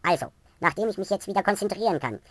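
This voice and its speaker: A woman's voice: mid-range voice, expressive, quick pace, no echo, close to an everyday voice. A woman voicing a tiny, self-important male elf with a testy, pedantic, teasing manner in a fantasy audio story. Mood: teasing, instructive.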